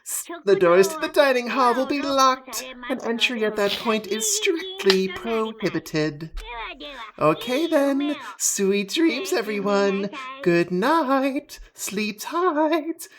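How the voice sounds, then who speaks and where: A woman voicing a falsely sweet talking bear mascot for a video game, making school announcements in a drawn-out sing-song way. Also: fairly high pitch, sing-song, a crowd in the background, voice pushed up. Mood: sweetly mocking. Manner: mock-cheerful, drawn-out sing-song delivery. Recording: music playing behind the voice.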